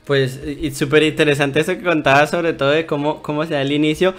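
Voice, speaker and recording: Male host, higher voice, chatty, long winding questions, faint music underneath. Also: steady tone, fast talker. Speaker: interview host. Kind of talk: casual interview.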